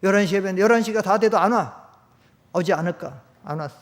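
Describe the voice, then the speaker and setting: Older male pastor, high voice, conversational sermon with loud swells and hushed stories. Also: fast. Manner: conversational preaching, rising to loud emphatic peaks, drops low for stories. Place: church sanctuary.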